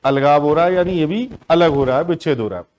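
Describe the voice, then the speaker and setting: A man's voice: a little high, darkish tone. A man teaching an exam-prep grammar lesson, often asking his students a question and answering it himself. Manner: asks the class questions and answers them himself, drawn-out words.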